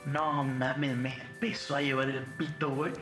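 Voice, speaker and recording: A man's voice: mid-range voice, little pitch movement, a little slow. A young Mexican man with a Mexican Spanish accent, hosting a podcast and telling crude, slang-heavy stories while acting out the quotes. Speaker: podcast host. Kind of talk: casual chat. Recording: roomy room with music behind.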